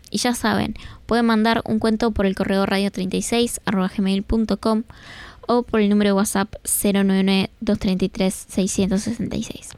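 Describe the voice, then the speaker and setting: A woman, hosting a children's radio show and reading a story aloud in a friendly, unhurried way with small fillers. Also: mid-range voice, darkish tone, clean tone, dry recording. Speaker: radio host. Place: radio studio.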